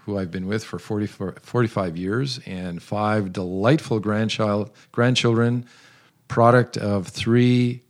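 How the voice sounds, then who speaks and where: A man in his sixties who grew up in South America, giving earnest, measured interview answers with frequent pauses and restarts. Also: on the low side, steady tone. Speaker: guest, retired missionary.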